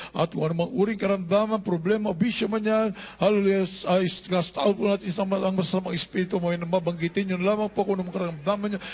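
At a very fast pace, a high-pitched man talks with fairly even intonation and very even loudness. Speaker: co-preacher leading prayer. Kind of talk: fervent group prayer; fervent prayer and sermon instructions. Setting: church. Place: church. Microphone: handheld.

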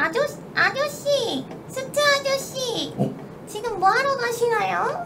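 Through clear background noise, a woman uses a put-on character voice at an extremely high pitch and a very slow pace.

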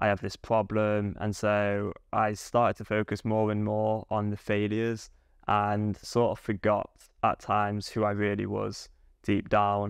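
In an English accent, a man speaks fairly slowly at a fairly low pitch with flat, monotone intonation, the sound dry with no echo over a quiet background. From England. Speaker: life coach. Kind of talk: educational monologue. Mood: calm, earnest, reflective.

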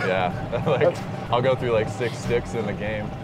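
Music plays clearly in the background as a man speaks. His delivery is at a moderate pace, with a dry sound and no echo. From Alberta, Canada. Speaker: professional football player. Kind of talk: interview answer. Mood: relaxed, cheerful. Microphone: lapel.

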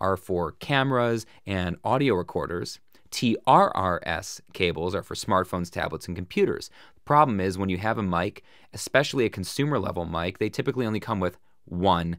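Lively intonation at a moderate pace, with a quiet background and dry sound with no echo. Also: man, fairly low pitch for a man. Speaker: tech reviewer. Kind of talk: product review commentary. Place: studio.

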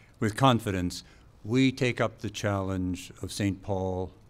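A fairly low-pitched man speaking at a very slow pace, with ordinary pitch variation. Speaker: clergyman leading a prayer. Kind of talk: fervent prayer. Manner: solemn, formal. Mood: solemn, reverent. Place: garden. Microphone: podium.

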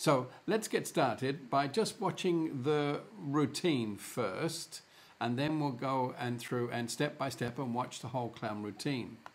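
Speech from this man moves very slowly. The pitch shows ordinary variation. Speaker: commedia dell'arte teacher. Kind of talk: casual talk to camera. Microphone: webcam.

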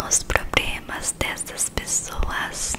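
A woman whispers in a calm tone. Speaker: ASMR creator. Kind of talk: ASMR sleep therapist role play with breathing guidance. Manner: calm, soft-spoken. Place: home room. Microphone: studio mic.

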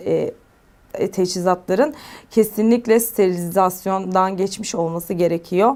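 This woman's voice sits at a medium pitch with fairly even intonation. She speaks at a moderate pace. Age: 30s. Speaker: beautician and permanent makeup trainer. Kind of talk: interview. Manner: hesitant with frequent fillers.

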